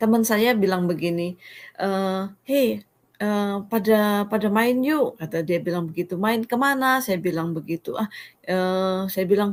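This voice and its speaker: A woman's medium-pitched voice at a fairly slow pace with ordinary pitch variation, on a very clean recording with a silent background. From Central Java, Banyumas. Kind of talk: testimony. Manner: halting, many fillers.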